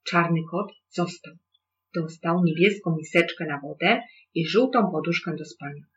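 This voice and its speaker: A calm storyteller reading a children's tale aloud at a middling pitch. The recording is slightly dull and lo-fi, with a faint hum underneath. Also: normal speed.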